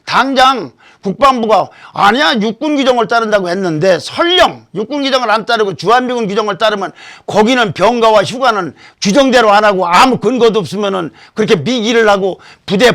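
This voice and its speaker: A man's voice: high-pitched, brisk, a bit bright. A man hosting a political commentary show, talking emphatically and posing rhetorical questions into a studio microphone.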